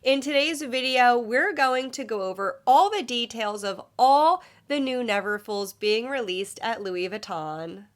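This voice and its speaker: A woman's voice: on the high side, unhurried, few pauses. A woman presenting a luxury fashion vlog in a polished, informative, friendly way, sounding nasal from a cold.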